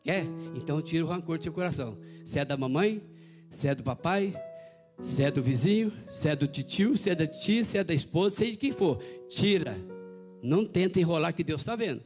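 A male pastor delivers an evangelical sermon, his voice pitched high and his words tumbling out quickly. He tells his stories animatedly and acts out each character's voice, while live guitar music plays clearly behind him in the church. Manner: animated storytelling, acting out quoted voices.

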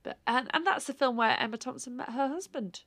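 A woman's voice: high-pitched, fairly quick, fairly bright tone. A woman, a priest co-hosting a podcast, chatting with strong opinions and now and then dropping almost to a whisper. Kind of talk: casual chat.

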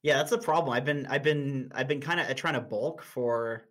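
A man's voice: medium pitch, moderate pace, a bit bright. A young man streaming and chatting casually, blunt and laughing often, with frequent restarts.

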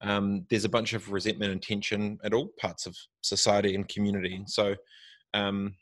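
Male interview guest, New Zealand accent, lowish pitch, casual thinking-aloud delivery with restarts, dry acoustic. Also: level tone, moderate pace, fairly bright tone, dry recording. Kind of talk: casual reflective conversation.

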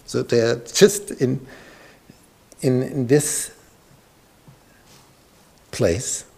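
A man's voice: medium pitch, steady tone, creaky, a little mellow, breathy edge. A male pastor preaching a sermon, telling the Bible story dramatically and sometimes dropping to a whisper. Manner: slow, dramatic, drops to whispers when retelling scripture.

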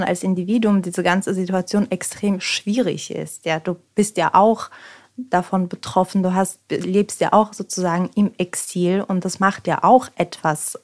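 Low-pitched, earnest woman. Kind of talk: casual podcast conversation.

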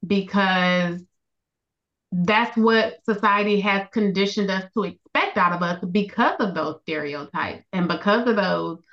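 Bright-voiced woman with an African American Southern accent. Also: mid-range voice, a little slow, highs cut off. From US Midwest, later moved to the South. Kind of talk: casual panel discussion.

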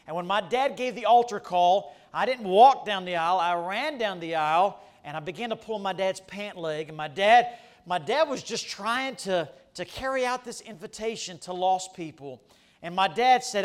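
A middle-aged man who grew up in the Bahamas, giving a folksy, joking testimony as a missionary preacher in a church. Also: sits high. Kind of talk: sermon testimony. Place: church sanctuary.

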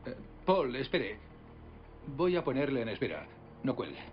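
An actor playing a company executive who gives brisk, urgent orders over the phone, in a film dub. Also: male voice, medium pitch, very animated, close to an everyday voice. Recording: dull film soundtrack with music.

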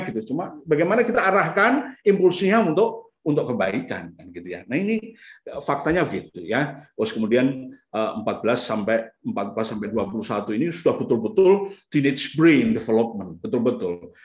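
Male seminar speaker, conversational and animated when he acts out scenes, recorded in an echoey hall. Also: mid-range voice. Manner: conversational, many fillers like "gitu ya"; acts out parents and children in lively bursts. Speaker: lecturer on the brain and parenting. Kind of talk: casual seminar talk. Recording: echoey room.

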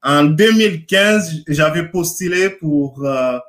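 A man from Montreal of Congolese descent speaking casually and haltingly as a guest in a live interview. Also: fairly high pitch, fairly bright tone. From Montreal, Canada, of Congolese descent.

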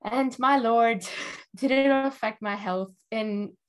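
A woman's voice: fairly high pitch, slow, a little hiss or hum. A woman from Germany who is not a native English speaker, a relationships coach telling her story as an interview guest, thoughtful and often laughing.

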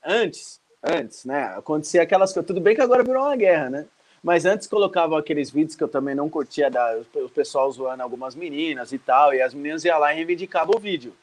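A man, co-hosting a casual podcast and telling stories in rapid slangy chat. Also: on the high side, animated. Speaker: podcast co-host.

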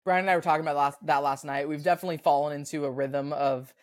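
A man's voice: fairly high pitch, steady tone, fast talker. A man co-hosting a casual podcast, talking in an easygoing, upbeat way with plenty of fillers. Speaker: podcast co-host. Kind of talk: casual chat. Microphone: remote recording over internet.

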